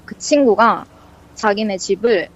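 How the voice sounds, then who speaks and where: A woman tells a ghost story in loose, rambling chat, packing it with fillers and acting out the lines she quotes. Her voice sits at a middle pitch, and the recording is dull and lo-fi. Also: animated, unhurried. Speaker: guest storyteller. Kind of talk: casual spoken ghost story. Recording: dull lo-fi sound.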